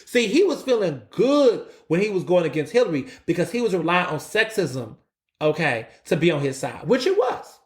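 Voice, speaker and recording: Young male podcast host, fairly high voice, blunt and sassy, stumbles and restarts a lot, worn out from a late night. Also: moderate pace. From United States. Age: 20s. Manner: animated, sassy and blunt, with frequent restarts and stammers. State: tired from a long late night. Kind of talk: solo opinion podcast monologue.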